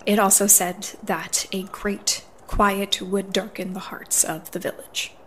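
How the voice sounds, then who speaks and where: A woman's voice: mid-range voice, flat delivery, unhurried, a little hiss or hum, close to an everyday voice. A woman playing an earnest, prickly dwarven paladin in an audio drama, speaking in a firm, formal, businesslike way. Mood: worried.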